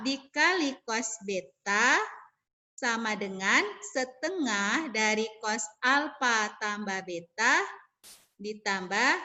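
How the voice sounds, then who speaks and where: A woman's voice: fairly high pitch, pushed and bright. A woman teacher, leading an online math class over a video call, calling on students by name and walking through formulas step by step.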